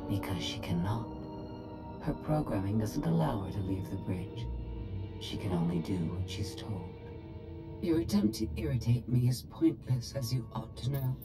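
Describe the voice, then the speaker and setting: Cool superior droid ai, clipped precise lines, pitch swings around, game music under it. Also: female voice, expressive, normal speed. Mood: dry, superior. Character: cold calculating female AI droid. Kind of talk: video game voice acting. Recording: music bed under the dialogue.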